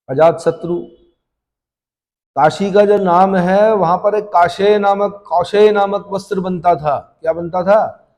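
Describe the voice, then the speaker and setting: In a long-echoing room, a male history teacher drills his class for exams, posing questions and answering them on his own. His voice is high and a little mellow.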